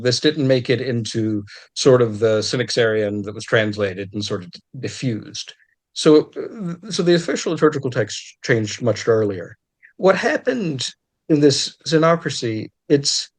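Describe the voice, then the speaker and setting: A man appears as a historian guest in an unscripted conversation, giving detailed, scholarly explanations. He frequently restarts phrases, and his pitch leaps upward whenever he emphasizes something.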